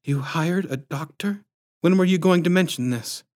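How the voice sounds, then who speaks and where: A man's voice: a little high, big pitch swings, a little slow, slightly rough, pitched above the performer's own voice, exaggerated voice. A man voicing a puzzled, uneasy mother in a storybook, asking alarmed questions. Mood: puzzled, indignant. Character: Ollie's mother, a puzzled, uneasy married woman.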